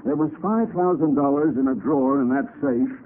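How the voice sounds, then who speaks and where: Gruff American police sergeant actor, old radio. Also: male voice, medium pitch, a little fast, close to an everyday voice. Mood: matter-of-fact. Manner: blunt, gruff cop talk. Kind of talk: 1940s radio acting. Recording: muffled hissy 1940s radio recording.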